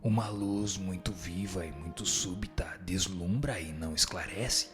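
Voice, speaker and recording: A man's voice: low voice, a little slow. A Brazilian man playing a wise, solemn spirit teacher in a radio drama, speaking in formal, didactic and rhetorical phrases. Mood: didactic, patient. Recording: music behind the voice.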